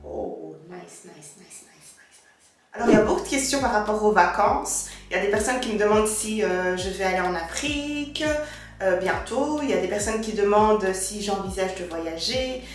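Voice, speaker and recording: A young beauty vlogger chats casually and directly with her viewers while doing her makeup, using slang and speaking French mixed with English loanwords. Her medium-pitched voice is fairly quick, picked up from a distant mic in an echoey room with a little hiss or hum.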